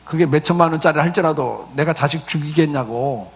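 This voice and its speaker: Brief: middle-aged man, pastor, talky sermon with questions to the congregation, somewhat high, gravelly voice. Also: fairly quick. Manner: conversational preaching with acted quotes and rhetorical questions.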